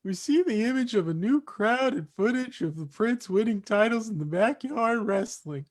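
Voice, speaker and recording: A woman's voice: fairly high pitch, lively intonation, moderate pace, darkish tone. A woman reading stage directions as scripted narration for a staged reading.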